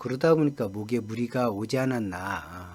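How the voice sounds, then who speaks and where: A man's dark, mellow voice with lively intonation, on a very clean recording against a silent background. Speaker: YouTube commentator on military affairs. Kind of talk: spoken commentary video. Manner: slow; soft-spoken.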